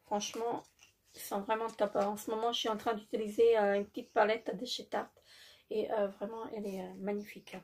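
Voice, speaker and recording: A woman's voice: medium pitch, level tone, fairly quick, a little mellow. A woman vlogger presenting a makeup haul in a casual, hesitant way, full of fillers and repeated praise. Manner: hesitant, many fillers, repeats "très joli"; apologizes for her English. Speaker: beauty vlogger.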